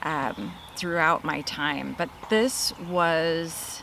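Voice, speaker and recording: A woman's fairly low-pitched voice against noticeable background noise. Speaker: nonprofit executive director. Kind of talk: documentary interview.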